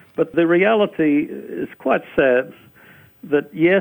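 Ordinary pitch variation marks a man's speech in an Australian accent. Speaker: magazine editor. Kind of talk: interview conversation. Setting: studio.

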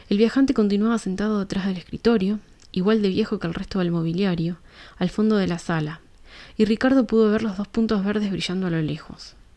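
Dark and mellow in tone, the voice moves at a fairly quick pace with ordinary pitch variation on a very clean recording with a silent background. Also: woman. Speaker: podcast host and author reading her own story. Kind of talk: reading aloud a horror story, eerie ghost story narration.

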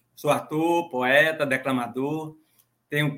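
Talking at a very slow pace, a man holds a fairly high pitch and fairly even intonation. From Bahia, Brazil (interior). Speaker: spiritist speaker, actor and poet. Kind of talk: religious study discussion. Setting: video call livestream.

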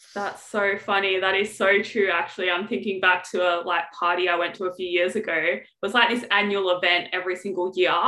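In an Australian accent, a woman speaks at a fairly quick pace. Her intonation is monotone and flat. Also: medium pitch for a woman. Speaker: podcast host. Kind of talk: casual chat.

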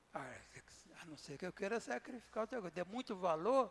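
This man's pitch swings very widely as he speaks at a moderate pace. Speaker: spiritist lecturer. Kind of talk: lecture.

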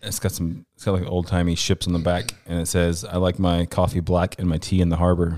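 A man's very deep, low voice, dark and mellow in tone, monotone and flat, at a fairly quick pace with hardly any pauses, on a very clean recording with a silent background. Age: middle-aged. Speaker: podcast co-host, retired firefighter. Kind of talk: casual interview chat. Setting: studio.

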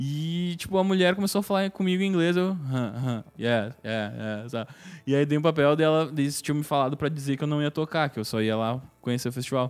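A man with a plain, everyday voice speaks at a fairly quick pace and a fairly high pitch. His pitch varies in an ordinary way, and the recording is very clean with a silent background. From Rio Grande do Sul interior, Brazil. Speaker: musician. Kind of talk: casual chat.

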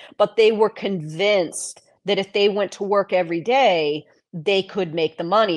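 Against a quiet background, a woman uses an ordinary speaking voice at medium pitch, with ordinary pitch variation and a moderate pace. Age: 40s. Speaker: podcast guest, self-help enthusiast. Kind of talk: casual interview chat.

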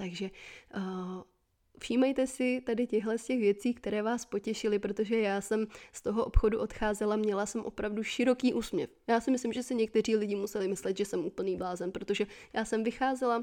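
A woman with a dark, mellow tone speaks at a fairly high pitch and a fairly quick pace. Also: fairly even intonation. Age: 20s. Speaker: psychologist and podcast host. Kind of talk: solo podcast monologue. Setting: home recording.

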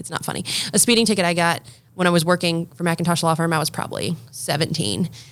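Talking at a very fast pace, a woman speaks with vocal fry. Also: fairly low pitch for a woman, ordinary pitch variation. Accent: American. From North Carolina, Lake Norman area (Cornelius). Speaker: family law attorney. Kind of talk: casual chat. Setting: studio.

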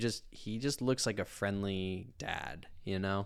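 This is a normal speaking voice in a General American accent. The intonation stays fairly even. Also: man. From US. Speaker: film podcast co-host. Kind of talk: casual chat.

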